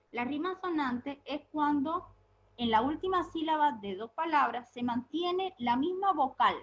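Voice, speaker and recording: Teacher lady doing a recorded class, asks questions then answers them, goes slow on key words, kinda muffled sound. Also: high-pitched. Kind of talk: recorded remote class lesson.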